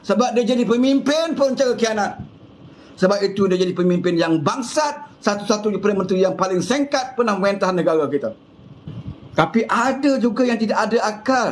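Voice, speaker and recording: A man's voice: very high voice, slight background noise. A man with a Malaysian Malay accent giving a fiery political monologue full of scolding rhetorical questions. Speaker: political commentator.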